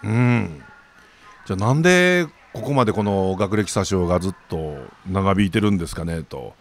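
A man with a Kansai accent talks through the morning papers as a commentator, dropping jokey asides as he goes. His voice sits a little low but leaps around lively in pitch. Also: moderate pace. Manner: chatty, with jokey asides and laughs.

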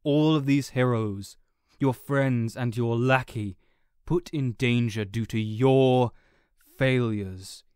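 A man playing a smug, contemptuous supervillain in an audio roleplay, speaking in a deliberate, condescending way. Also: medium pitch, darkish tone, clear, resonant tone, no room sound, clean studio sound, close to an everyday voice. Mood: scornful. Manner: deliberate, condescending, theatrical monologuing. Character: smug, contemptuous male supervillain gloating over a beaten rival. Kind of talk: audio roleplay villain acting.

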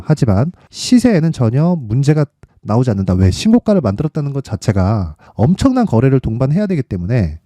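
A man hosting an informal stock market commentary, emphatic and full of rhetorical questions and tag questions as he pitches his picks. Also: warm tone, no echo. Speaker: stock trading channel host.

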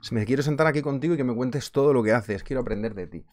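Man, thirties, Spain Spanish accent, chatty online teacher, animated, webcam in small office. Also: medium pitch, fast talker. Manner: chatty and animated, laughing often, gesturing with hands. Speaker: trading instructor. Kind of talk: casual live webinar teaching.

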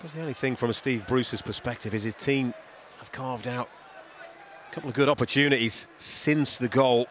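A man giving measured football co-commentary, stressing key words by repeating them. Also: mid-range voice, a bit bright, a little hiss or hum. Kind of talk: football match analysis.

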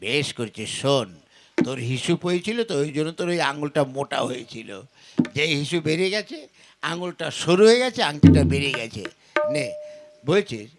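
Folk music with tabla runs clearly behind a man acting as an exasperated village father in a puppet comedy. He has a fairly high male voice and a Bengali accent. He scolds and questions in exclamations. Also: big pitch swings, fairly quick. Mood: lecturing.

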